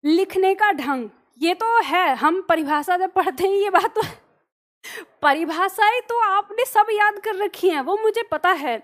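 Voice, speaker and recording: A woman with a high voice teaches a grammar lesson. She explains patiently with simple everyday examples. She keeps asking her class questions and then answering them herself. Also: lively intonation, unhurried, a bit bright.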